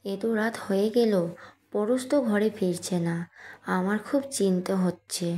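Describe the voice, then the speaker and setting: A woman's voice: medium pitch, measured pace, mellow, lightly acted. A woman voicing a worried, anxious mother of the groom, in an audio story reading.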